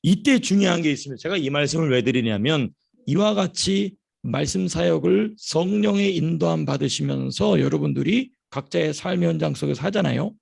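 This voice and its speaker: Man, pastor, sermon in a church, gravelly, fairly high voice, animated storytelling, repeats phrases. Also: fairly quick.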